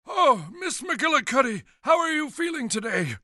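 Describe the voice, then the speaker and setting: A man's voice: very high-pitched, very animated, moderate pace, pushed and bright, exaggerated voice. Cranky old grandfather, cartoon, nervous, whining. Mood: grumbling. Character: cranky elderly grandfather in a nursing home.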